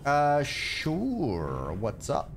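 Slow, musing male game streamer. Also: mid-range voice, huge pitch swings, creaky, slight background noise. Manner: rambling, musing, hesitant. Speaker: livestreamer playing a video game. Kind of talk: casual game stream commentary.

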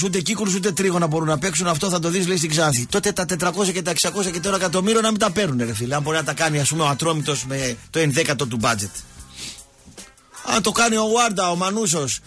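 A man hosting a radio show, telling jokey stories and talking with callers in an animated way. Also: fairly high pitch. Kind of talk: casual radio talk.

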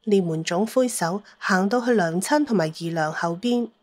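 A woman's voice: mid-range voice, moderate pace. A woman with a Cantonese accent narrating a dramatised story as an audiobook reader.

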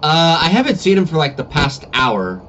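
Easygoing, helpful animated girl, the daughter of the family, played by a man, dull webcam-mic sound. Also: a little high, moderate pace. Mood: casual. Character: laid-back, helpful young daughter. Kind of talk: amateur comedy animation voice-over. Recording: muffled, noisy cheap webcam mic.

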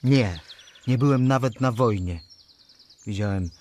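An actor playing a tired, resigned but gently kind man in a radio play, speaking in short, laconic phrases. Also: medium pitch, measured pace, lightly acted. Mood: weary. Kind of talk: Polish radio play dialogue.

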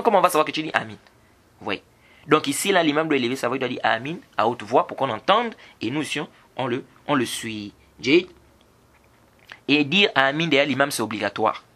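A man's voice: mid-range voice, sharp tone. A man teaching a religious lesson on prayer, who asks rhetorical questions and answers them himself and recites hadith in Arabic between his French explanations. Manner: interjects approving Arabic words between points. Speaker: Islamic teacher.

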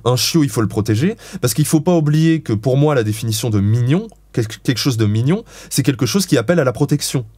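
A man's voice: mid-range voice, animated, a little fast, hardly any pauses, a little mellow, husky, dry recording. A man giving dog-training advice as an interview guest, explaining in a frank, blunt way with casual swearing.

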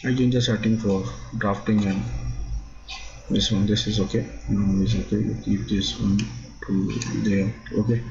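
A man with a fairly low voice gives a screen-recorded software tutorial in halting. He stops often on "okay" as he walks through each step. The sound is dull and lo-fi, from a basic computer mic. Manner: halting, repeats "okay" often, non-native phrasing. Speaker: drafting instructor.

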